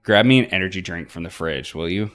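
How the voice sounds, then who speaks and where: A man voicing a wry, teasing but soft-hearted young woman in visual novel dialogue, talking casually. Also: deep voice, fairly quick, soft background music.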